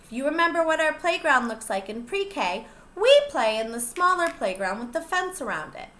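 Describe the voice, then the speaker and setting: A woman's voice: high-pitched, sing-song, roomy sound. Sing-song woman teacher reading to kids. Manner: slow, gentle and sing-song, pausing to ask the children questions. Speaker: pre-K teacher. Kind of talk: reading a picture book aloud to young children. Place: classroom.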